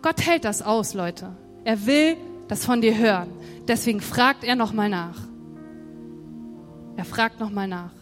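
A woman's voice: mid-range voice, unhurried, pauses often. A woman preaching a sermon in a church hall, talking directly to the congregation in a conversational way. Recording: long hall reverb, faint music.

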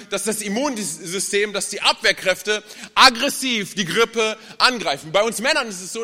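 A young man's high, bright voice fills a church with a long hall echo. He preaches as a guest speaker, lively and chatty, throwing jokes at the congregation. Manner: energetic, chatty, tells jokes. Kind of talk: sermon. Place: large church hall with audience.

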